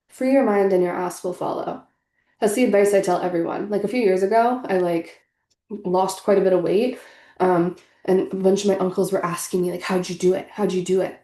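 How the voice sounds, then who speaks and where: A stuffy-voiced young woman gives a tarot reading in a casual, earnest, filler-laden manner. Her voice sits fairly low with a dark tone, echoing in the room.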